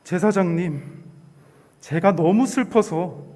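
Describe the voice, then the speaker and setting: A sorrowful young woman pleading in prayer , as a male storyteller puts her on. Her words come slowly and earnestly in a high voice. The church hall adds a long echo. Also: warm tone. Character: grieving young woman praying in tears.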